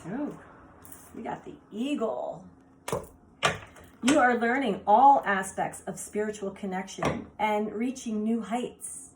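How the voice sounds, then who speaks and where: Woman w/ a raspy laryngitis voice reading oracle cards, gushy and soft, lots of ums. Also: medium pitch, takes it slowly, noisy background. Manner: enthusiastic, exclaiming over the cards; soft, meandering with fillers. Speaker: card reader. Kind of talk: oracle card reading for viewers.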